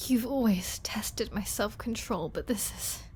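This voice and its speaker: A woman playing a flirty, starving captive vampire in an ASMR roleplay, halting and teasing, with breathy asides and pleading. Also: fairly high pitch, a little mellow, close to an everyday voice. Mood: hungry, pleading. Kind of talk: ASMR roleplay audio drama.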